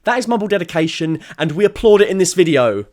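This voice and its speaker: Animated, higher-voiced man narrating a video essay. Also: quick pace, soft background music. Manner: opinionated, informal, emphatic.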